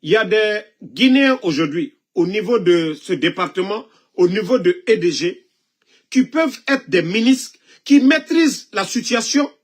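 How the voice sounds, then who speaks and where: A man delivers impassioned political commentary, scolding and firing off pointed rhetorical questions while coughing now and then from a cold. His voice sits high, with lively intonation at a normal speed.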